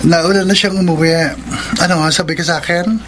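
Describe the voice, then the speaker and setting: A man's voice: high-pitched, fairly even intonation, moderate pace, slight background noise. An actor playing a devoted young gay man in a Filipino radio drama, imploring and emotional, with a Filipino accent. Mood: concerned, tender. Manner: imploring, emotional, mixing Tagalog and English. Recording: loud music bed under radio drama.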